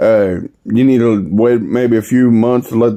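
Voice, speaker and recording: A man with an American accent speaks fairly slowly in a dark, mellow tone. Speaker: fence staining contractor. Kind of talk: tutorial. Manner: halting, many fillers; casual, unscripted.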